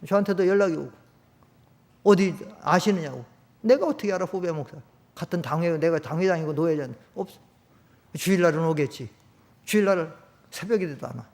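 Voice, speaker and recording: Older male pastor, high voice, conversational sermon with loud swells and hushed stories. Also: brisk, pauses often. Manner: conversational preaching, rising to loud emphatic peaks, drops low for stories. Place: church sanctuary.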